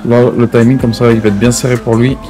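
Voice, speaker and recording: A man's voice: mid-range voice, level tone, quick pace, over music. A man chatting casually while playing an online roleplay game, slangy and joking. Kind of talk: casual gaming banter.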